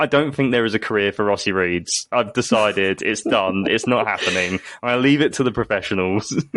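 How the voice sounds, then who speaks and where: Against a quiet background, a man with a British accent speaks at a very fast pace with hardly any pauses and very even loudness. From Britain. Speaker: podcast host. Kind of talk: casual chat.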